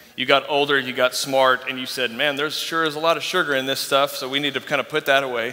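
Very fast delivery with hardly any pauses and a monotone, flat intonation. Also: man. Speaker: preacher. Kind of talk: sermon. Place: church. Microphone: headset.

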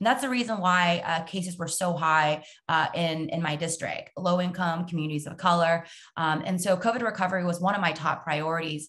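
A woman with an American accent speaks at a fairly quick pace in a fairly low voice. Her pitch varies in an ordinary way against a quiet background. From Sacramento, California; California. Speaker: city council member. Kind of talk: interview. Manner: fast. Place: home room. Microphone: webcam.

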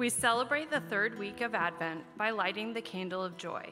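Clear music plays behind a woman who keeps a moderate pace. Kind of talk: liturgical prayer reading. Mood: solemn, gentle. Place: church. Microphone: podium.

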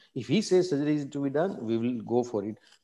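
Speaking at a fairly quick pace with an Indian accent, a man uses lively intonation and a dark, mellow tone against a quiet background. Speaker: orthopaedic surgeon. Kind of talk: webinar talk. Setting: video call. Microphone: webcam.

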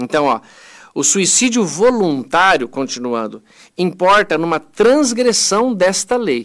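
Very wide pitch swings mark this man's high voice. He speaks at a very slow pace. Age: 40s. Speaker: spiritist lecturer. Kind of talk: lecture. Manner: warm, gentle.

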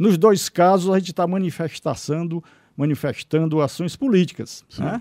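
A man speaks with a high pitch and a dark, mellow tone. The recording is very clean, with a silent background. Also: ordinary pitch variation, moderate pace, dry, close sound with no echo. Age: old. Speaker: retired professor, radio interviewer. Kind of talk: interview.

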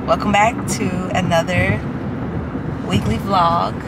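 Over loud background noise, a woman speaks with ordinary pitch variation in a dry sound with no echo. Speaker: vlogger. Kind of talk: casual vlog chat. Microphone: phone near.

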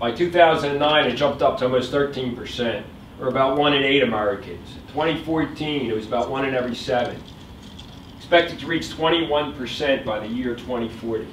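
Light background noise and audible room echo accompany speech at a moderate pace with ordinary pitch variation. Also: man. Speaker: criminal investigator. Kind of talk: presentation. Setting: stage with audience. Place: hall.

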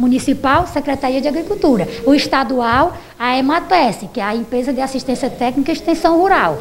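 The pace is fairly quick, with hardly any pauses. Light noise sits in the background. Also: woman, high pitch for a woman. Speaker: agricultural extension technician. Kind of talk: interview. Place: hall. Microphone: handheld.

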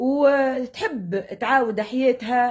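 In a Tunisian accent, the speaker uses an animated tone with ordinary pitch variation against a quiet background. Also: woman. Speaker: online advice commentator. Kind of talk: advice monologue to camera. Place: home room. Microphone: phone near.

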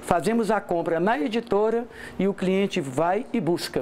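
A man speaks with a high pitch and ordinary pitch variation. Light background noise can be heard. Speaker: bookseller. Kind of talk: interview. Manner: halting. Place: shop. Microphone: lapel.

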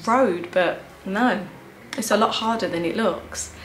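A woman talks with ordinary pitch variation, light background noise and audible room echo. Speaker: vlogger. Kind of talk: casual vlog chat. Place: home room. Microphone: camera far.

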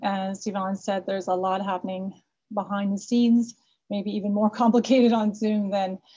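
The voice has a dark, mellow tone and is somewhat breathy. It keeps a moderate pace and fairly even intonation over a quiet background. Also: woman. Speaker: guest architect lecturer. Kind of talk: lecture. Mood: warm, grateful. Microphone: video call.

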